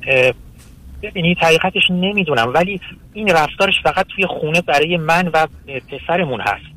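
A man calling in to a radio counseling show, speaking hesitantly with pauses and fillers. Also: a little high, animated, bright, forceful tone, no echo, rough recording. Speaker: caller. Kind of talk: phone-in consultation.

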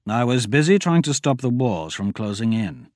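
A man voicing a grumbling male thief who speaks in a gruff, curt way. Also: medium pitch, sing-song, normal speed, darkish tone, no room sound, studio quality, close to an everyday voice.

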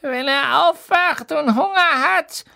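A man voicing a plump, kindly witch who pushes a snack trolley on a train, speaking slowly and gently. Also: gravelly, full character voice. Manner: slow, high, gentle.

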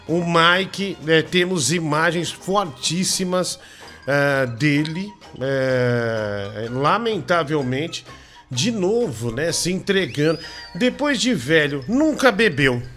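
A man's voice: on the high side, expressive, extremely slow, a bit bright. A man hosting a comic radio show with a Brazilian accent, teasing and mocking in repetitive banter. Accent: Brazilian Portuguese. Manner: mocking, teasing, repeats himself. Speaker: host. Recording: music playing behind the voice.

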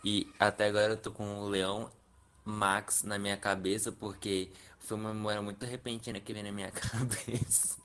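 A man's voice: fairly low pitch, flat delivery, normal speed, fairly bright tone, clear, resonant tone. Giggly young man on a podcast call. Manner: joking, laughs often. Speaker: podcast host and editor. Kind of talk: casual podcast chat.

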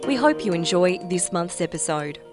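A woman's voice: lowish voice, animated, moderate pace. A woman reading a scripted, upbeat podcast introduction. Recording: loud music underneath.

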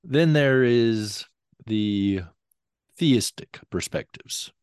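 A man with a cough, a guest Bible teacher explaining creation views in a measured, careful podcast conversation. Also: medium pitch, clear, resonant tone, no room sound, clean studio sound.

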